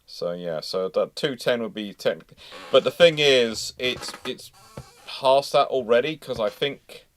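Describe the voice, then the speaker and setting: A man's voice: medium pitch, measured pace, faint music behind. A man hosting a casual livestream, chatting in a rambling way as he thinks aloud. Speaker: host of a naval history livestream.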